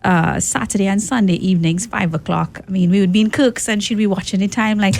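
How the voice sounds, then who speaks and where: A woman's voice: mid-range voice, fairly even intonation, brisk, creaky, darkish tone. A woman with a Trinidadian accent, a guest on a radio show, telling a story in a chatty way. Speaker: guest, proud parent. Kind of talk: casual radio chat. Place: radio studio.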